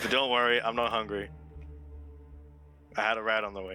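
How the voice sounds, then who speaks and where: A man speaks at a fairly quick pace in a put-on character voice. His pitch sits in the medium range. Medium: actual play. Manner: casual, jokey.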